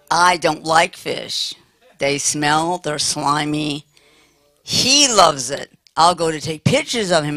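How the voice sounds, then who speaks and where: An older American woman preaching a lively sermon with humor, talking in a big, animated, playful voice. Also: low-pitched, no echo.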